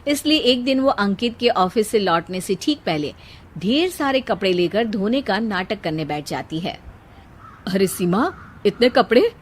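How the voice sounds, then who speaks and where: Brief: woman, storybook narrator, even and steady, mid pitch. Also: normal speed, a little hiss or hum.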